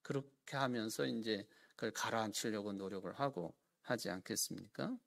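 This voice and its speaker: A man's voice: fairly low pitch, normal speed, gravelly, fairly bright tone. A man preaching a sermon as pastor in a church, with a Chungcheong Korean accent, earnest and emphatic, often asking rhetorical questions.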